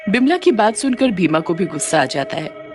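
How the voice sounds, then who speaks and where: A male storyteller narrates a cartoon horror tale in a steady, scripted style. His voice sits high for a man. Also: moderate pace, faint music behind.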